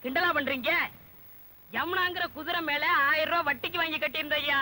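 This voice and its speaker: A man's voice: very high voice, a little fast. An actor playing a timid, whining male office clerk in a 1980s Tamil film comedy. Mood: complaining. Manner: whining, pleading.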